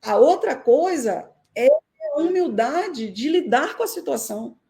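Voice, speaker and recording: A woman from Salvador with a Northeastern Brazilian accent, answering questions in a live-stream interview in a thoughtful, measured way with frequent hesitations over a video call. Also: sits high, big pitch swings, creaky, mellow. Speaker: guest researcher.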